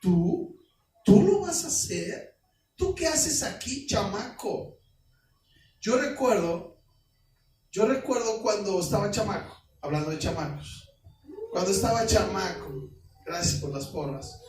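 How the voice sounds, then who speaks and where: A man's voice: sits high, slight background noise. A Mexican-accented pastor in his forties preaching a sermon, telling stories with colloquial asides and rhetorical questions. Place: church hall. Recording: echoey church hall, mic at a distance.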